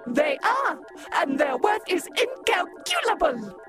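A condescending robot pitchwoman, voiced by a woman from an old-time radio ad. She sings out her slogans slowly in a high, lilting voice and sneers at puny humans. Music plays behind her. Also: very animated, a bit bright, exaggerated voice. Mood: haughty. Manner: mocking, sing-song sales pitch. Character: haughty female robot pitchwoman, scornful of humans. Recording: music bed under voice.

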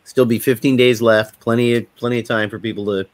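Casual man, mid-pitched, dry recording. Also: level tone, a little fast, no room sound. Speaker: podcast co-host. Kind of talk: casual chat.

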